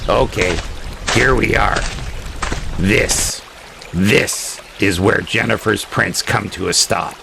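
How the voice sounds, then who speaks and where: A man's voice: lowish voice, slow, creaky, full character voice. A man acting as a folksy, cooperative sheriff in an audio drama, plain-spoken and easygoing. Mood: matter-of-fact. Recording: noisy ambience behind audio drama dialogue.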